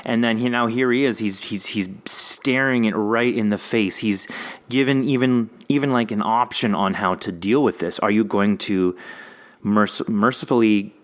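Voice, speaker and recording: A man's voice: on the low side, normal speed. A man hosting a podcast, thinking aloud earnestly in a casual discussion. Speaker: podcast host. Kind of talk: casual discussion of an audio drama episode.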